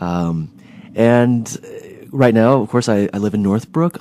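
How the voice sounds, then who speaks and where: Speaking at a fairly slow pace, a man talks with a Chicago-area accent. His medium-pitched voice has lively intonation. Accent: Chicago-area American English. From Chicago suburbs, Illinois, US. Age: 30s. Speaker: lawyer and local election candidate. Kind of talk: radio interview. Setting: radio studio.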